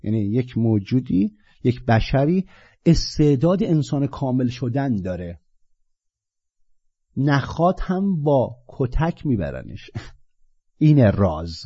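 A man giving an impassioned spiritual talk, swinging from low murmurs to loud, animated bursts. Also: pauses often, breathy edge. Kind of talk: impassioned monologue. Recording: dull lo-fi recording.

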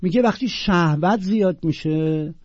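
A man slowly reciting classical verse, then explaining it in quick, casual talk with joking asides. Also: high voice, no echo, muffled recording. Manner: slow, louder recitation of verses alternating with quick colloquial explanation; jokey, informal asides. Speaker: poetry explainer.

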